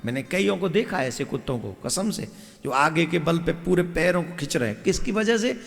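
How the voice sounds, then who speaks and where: A man's voice: fairly high pitch, animated, fairly quick, creaky. A man giving a devotional discourse as a Hindu preacher. He tells stories dramatically, acts out family scenes and keeps quizzing his listeners. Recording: reverberant hall with faint music.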